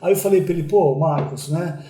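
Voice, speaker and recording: High-voiced, mellow Brazilian male interviewer. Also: brisk. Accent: Brazilian Portuguese. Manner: informal, colloquial, joking. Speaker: interviewer, host. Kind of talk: casual chat interview. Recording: roomy, echoing interview sound.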